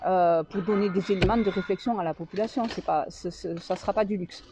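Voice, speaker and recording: A woman organizing a local public meeting, speaking hesitantly in an interview with many filler pauses. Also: lowish voice, background noise. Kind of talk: radio interview.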